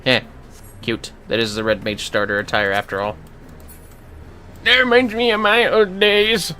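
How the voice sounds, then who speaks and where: A man's voice: a little high, steady tone, a little slow, pushed and bright. A man giving casual, sweary and reactive commentary while livestreaming a video game.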